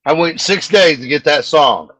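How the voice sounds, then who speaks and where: A man's voice: on the high side, moderate pace, fairly bright tone, dry recording. A man chatting casually as co-host of a talk show. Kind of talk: casual chat.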